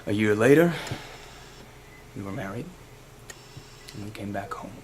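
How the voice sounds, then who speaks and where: A man playing a grieving, brooding asylum director in a fan web drama, speaking in a halting, deliberate way. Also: lowish voice, expressive, darkish tone. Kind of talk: acted dramatic monologue in a fan web series. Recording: clearly noisy amateur recording with ambience.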